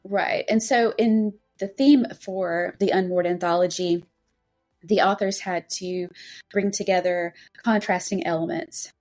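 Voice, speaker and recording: A woman's voice: fairly low pitch, fairly even intonation, unhurried, darkish tone, faint music behind. A woman hosting a podcast interview, talking casually and effusively. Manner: effusive, gushing. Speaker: podcast host and anthology editor.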